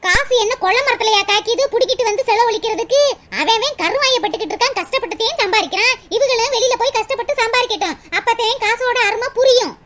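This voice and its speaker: A woman voicing a sharp-tongued young daughter-in-law in a cartoon drama, scolding and sarcastic. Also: very high-pitched, quick pace.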